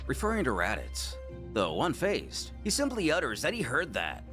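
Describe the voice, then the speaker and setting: A man tells a story in a scripted narration, his pitch rising and falling with lively energy. He drops wry asides between plot beats. Faint music plays quietly beneath his voice. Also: normal speed. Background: faint background music.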